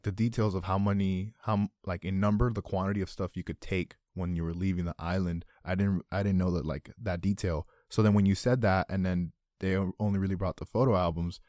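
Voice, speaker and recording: A man's voice: fairly low pitch, dry recording, studio quality. A man from Miami with an American accent, hosting a conversational interview podcast. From Miami, Florida.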